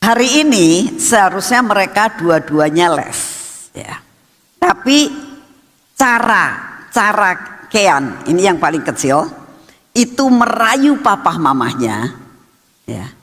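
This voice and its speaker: A woman's voice: medium pitch, sing-song, slow pace, long pauses, a bit bright, in a large hall. An older woman preaching a sermon, telling a family story and addressing her listeners as brothers and sisters. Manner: storytelling, acting out family dialogue.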